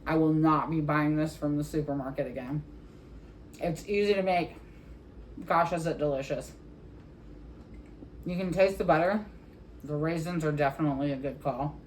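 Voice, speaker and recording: A woman's voice: low voice, a little hiss or hum. A woman in her forties hosting a cooking vlog, chatting candidly and casually to the camera in a conversational way. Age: 40s.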